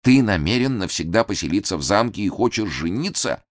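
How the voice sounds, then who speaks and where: A man's voice: on the low side, lively intonation, fairly quick, pitched above the performer's own voice, close to an everyday voice. A man voicing an old male doctor who is frightened, shaky and given to agitated outbursts. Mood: frantic. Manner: shaky, pleading, fearful outbursts.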